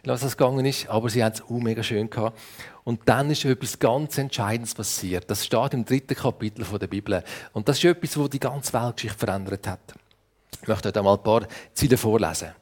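A man with a Swiss German accent telling a Bible story to children in a playful, lively way and asking them questions. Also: medium pitch, fairly quick. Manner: playful, asks the audience questions.

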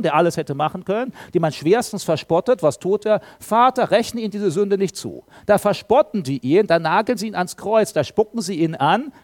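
A man's voice: a little high, a little mellow. A middle-aged man preaching a sermon in an emphatic way, full of rhetorical questions. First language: German speaker married to a Frenchwoman.

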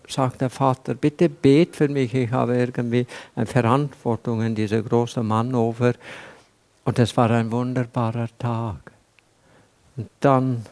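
Slow, halting older man preaching. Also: medium pitch, a little mellow. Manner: slow, halting, repeats words, emotional. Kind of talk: sermon testimony.

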